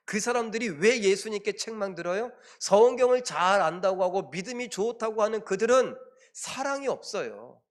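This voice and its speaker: Male pastor, slightly higher voice, conversational sermon delivery with frequent rhetorical questions. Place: church sanctuary.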